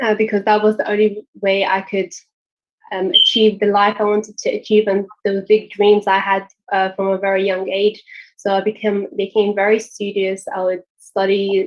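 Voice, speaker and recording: Speaking with a London accent, a woman keeps her intonation flat and monotone. Her pitch is medium and her pace moderate. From London, England. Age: 20s. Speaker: social media influencer. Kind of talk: panel talk, personal story. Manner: hesitant, many fillers.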